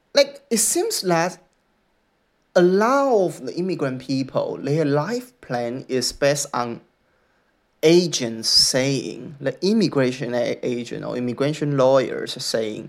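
A man speaks at a very slow pace. His pitch is fairly high, and his intonation is lively. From Taiwan. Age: 20s. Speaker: podcast host. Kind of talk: solo podcast monologue. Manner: halting, with fillers.

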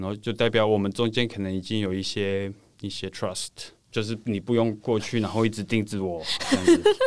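Against noticeable background noise, a man speaks at a fairly low pitch. He talks fairly quickly in a flat monotone. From Colombia. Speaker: craft brewery founder. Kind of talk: casual interview. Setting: studio. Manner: halting.

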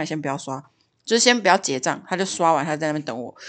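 A woman with a Taiwanese accent speaks at a very fast pace in an animated tone. Her pitch swings very widely. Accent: Taiwanese Mandarin. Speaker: podcast co-host. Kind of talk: casual chat. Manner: animated, laughing often.

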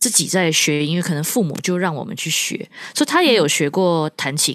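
A woman speaks at a fairly low pitch and a moderate pace, with ordinary pitch variation. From Malaysia. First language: English (speaking Chinese). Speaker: musician and worship leader. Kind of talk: casual interview.

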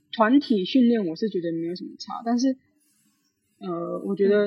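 Music plays behind a woman talking at a fairly quick pace. Her pitch is medium, with ordinary pitch variation. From Taiwan. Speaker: student athlete. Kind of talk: casual interview. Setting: video call. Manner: halting.

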